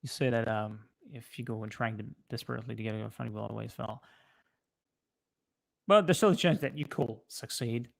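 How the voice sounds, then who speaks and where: A livestream host who is a native French speaker, with a French accent, chats casually and answers viewers haltingly, often pausing mid-sentence. His voice is medium-pitched with vocal fry.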